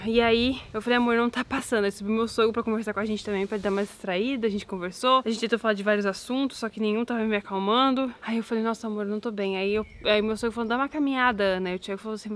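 A woman's voice: fairly high pitch, a bit bright. A young pregnant woman chatting outdoors to her viewers in a casual vlog, anxious, repeating words as she talks. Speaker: vlogger. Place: outdoors in a garden.

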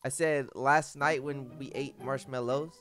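A man's voice: mid-range voice, fairly even intonation, measured pace, fairly bright tone, soft background music. Goofy teasing young man. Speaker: co-player, host's boyfriend. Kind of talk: casual joking role-play while gaming.

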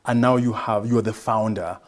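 A man's voice: on the low side, fairly even intonation, a little fast. A middle-aged Kenyan man hosting a studio TV interview, affirming often and framing questions with "right?". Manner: affirming, frequent mm-hmms, leading questions with tag "right?". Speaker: TV host. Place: TV studio set.

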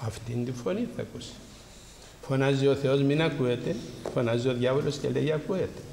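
Greek priest preaching in an echoing hall. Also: male voice, mid-range voice, gravelly, mellow, slight background noise. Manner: preaching with rhetorical questions to the audience. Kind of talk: spiritual talk to a congregation. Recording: roomy hall with long echo.

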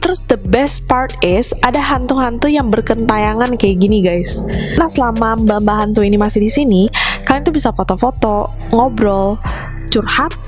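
Chatty young woman vlogger, higher voice. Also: normal speed, music in the background. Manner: chatty, addresses viewers as guys. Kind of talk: casual travel review narration.

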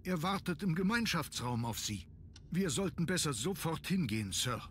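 An actor playing an anxious, deferential manor butler in a video game, formal and agitated. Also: male voice, a little high, big pitch swings, normal speed, fairly bright tone, slight background noise. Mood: agitated, distressed. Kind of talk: German video game voice acting.

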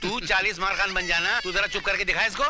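An actor playing a gruff, clumsy male kidnapper who talks in coarse street slang. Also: high-pitched, steady tone, quick pace, noisy background, lightly acted.

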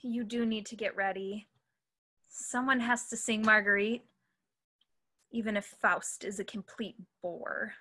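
A woman's voice: medium pitch, fairly even intonation, measured pace, long pauses, sharp tone. A young woman acting a worried, frank and loyal close friend in a dramatic staged reading. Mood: gentle, wry. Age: young adult. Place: room at home. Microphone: computer mic on video call.

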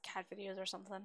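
A woman's voice: mid-range voice, creaky, a bit bright, breathy edge. A woman giving casual, reactive live commentary as she streams a video game.

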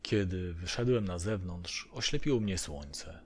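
Low-pitched male horror story narrator. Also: lively intonation, a little slow, a little hiss or hum. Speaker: narrator of audio horror stories. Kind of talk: scripted narration of a first-person horror story.

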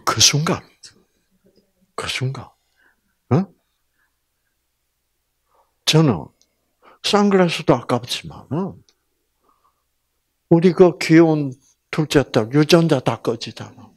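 Slow, animated man telling a sermon story. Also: fairly high pitch, husky. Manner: animated, acts out voices in dialogue; addresses audience with questions. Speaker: Bible lecturer.

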